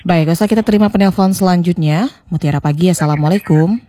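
A woman hosting a radio call-in show, brisk and courteous as she directs callers. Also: on the low side, warm tone, slight background noise. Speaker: radio host.

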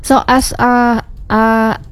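A woman with an Indonesian accent hosts a relaxed bilingual talk show, her first language Sundanese. She speaks halting English full of fillers, laughs often, and slips into Indonesian now and then. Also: on the high side, soft background music. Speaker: radio talk show host.

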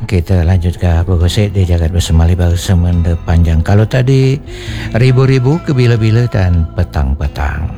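A man's voice: deep voice, normal speed, over music. A man co-hosting a radio show, joking and laughing with the caller. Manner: jokey, laughing. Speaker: radio co-host.

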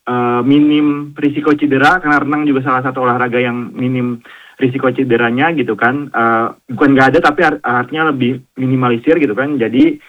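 A man from Jakarta answering questions as a radio guest, hesitant and friendly, full of pauses. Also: mid-range voice, lo-fi sound. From Jakarta, Indonesia. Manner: hesitant, many fillers and restarts, friendly. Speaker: guest, founder of a swimming community.

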